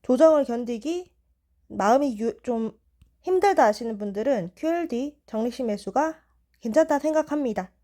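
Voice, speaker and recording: A young woman in her twenties calmly walking through stock chart analysis. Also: on the high side, moderate pace. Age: 20s.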